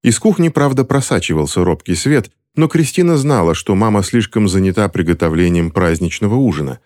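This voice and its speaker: Deep voiced guy reading an audiobook, super lively up and down delivery. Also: brisk. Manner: animated storyteller voicing each character. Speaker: audiobook narrator. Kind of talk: expressive audiobook narration.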